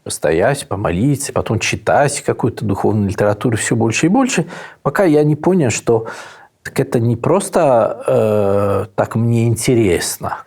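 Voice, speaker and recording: An Orthodox priest and monk, a native Italian speaker rather than a Russian one, gives reflective answers as an interview guest. He speaks unhurriedly and thoughtfully, hesitating often, in a medium-pitched, darkish voice.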